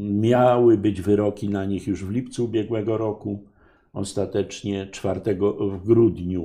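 Over a quiet background, a man with a dark, mellow tone speaks at a very slow pace in a monotone, flat intonation. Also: fairly low pitch for a man. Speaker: professor and former diplomat. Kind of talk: interview about politics and history.

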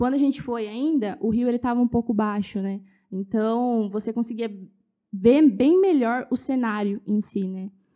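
A woman with a plain, everyday voice, fairly high pitch, ordinary pitch variation and a fairly slow pace. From Brazil, Lençóis (São Paulo interior). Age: 20s. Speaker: psychology student. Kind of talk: casual interview.

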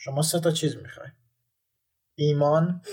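At a moderate pace, a man speaks with fairly even intonation, a somewhat breathy, dark, mellow tone and a fairly high pitch. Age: 20s. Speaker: podcast co-host. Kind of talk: casual chat.

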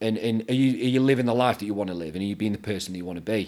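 A man with a Manchester accent in a very clean recording with a silent background. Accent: Manchester-area English. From northern England, Stockport. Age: 30s. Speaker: gym owner. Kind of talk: casual chat.

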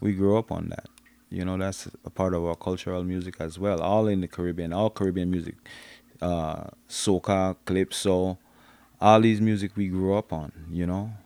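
A man's very deep, low voice in a dark, mellow tone, flat and monotone at a moderate pace, in a very clean, dry, close recording with a silent background and no echo. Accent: Belizean. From Belize City, Belize. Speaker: reggae DJ and MC. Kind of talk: casual interview chat.

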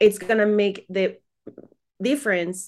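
Against a quiet background, a woman speaks in an enthusiastic tone with a Spanish accent. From Mexico. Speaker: former attorney turned remote sales closer. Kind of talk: casual interview.

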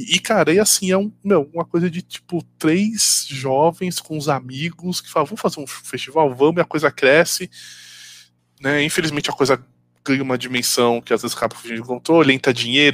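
An unremarkable speaking voice at a fairly quick pace, with ordinary pitch variation and a dry, close sound with no echo. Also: man. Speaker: podcast guest. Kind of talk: casual chat.

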